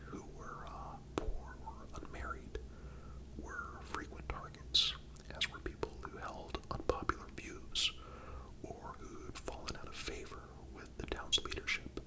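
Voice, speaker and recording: A man narrates in an ASMR style, entirely in a whisper. His delivery is slow and deliberate, with a calm, measured manner throughout. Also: very high-pitched, poor audio.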